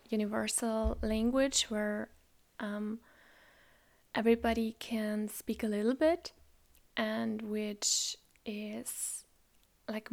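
A woman whose first language is German hosts a spiritual podcast, talking in a soft, slow, reflective way that often drops close to a whisper. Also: a little high, gravelly. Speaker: podcast host. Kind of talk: calm spiritual podcast monologue.

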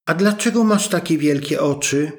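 A man voicing a sweet little girl in a red hood in a read fairy tale, high and wide-eyed. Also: normal speed, natural voice. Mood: innocent.

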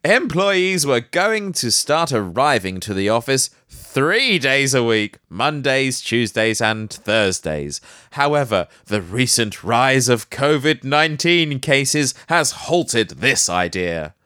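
Guy reading tech news, bit nasal from hay fever, lively pitch, dry close sound. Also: slow, smooth, no echo. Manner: reads news with joking asides and laughs. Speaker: podcast host. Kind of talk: casual news commentary.

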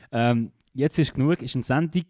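A man's voice: mid-range voice, a little mellow, dry recording, studio quality. A young man with a Swiss German accent, co-hosting a podcast in easygoing casual chat. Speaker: podcast co-host.

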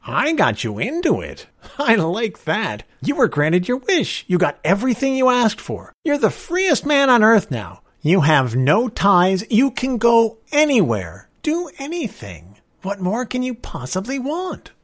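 A mysterious little man from a storybook, voiced by a male narrator. He speaks slowly and deliberately in a raised, swooping voice, wry and admonishing. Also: a little high, big pitch swings, pitched above the performer's own voice. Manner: slow, deliberate. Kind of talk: storybook character voice.

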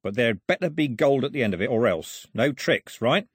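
Guy doing a husky mean crook, sarcastic bully, mocking, storybook villain. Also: mid-range voice, animated, normal speed, dry recording, clean studio sound. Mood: threatening. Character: menacing, sneering male criminal, cunning and mocking.

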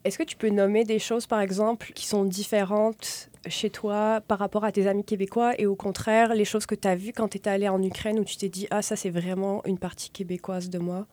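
A woman's voice: medium pitch, level tone, a little fast, few pauses, mellow, no echo. Casual woman interviewer, dry sound. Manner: informal, uses tutoiement.

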